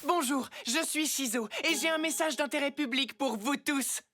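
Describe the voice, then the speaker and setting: A woman voicing a brash, vain young superhero girl with a cocky, excitable manner in a French cartoon. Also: high voice, moderate pace, music in the background, lightly acted. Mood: earnest announcing.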